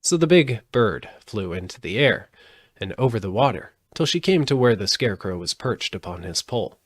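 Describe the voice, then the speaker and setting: Animated male storybook narrator. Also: on the low side, normal speed, dry recording, studio quality. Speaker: audiobook reader. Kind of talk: expressive storybook narration, read live.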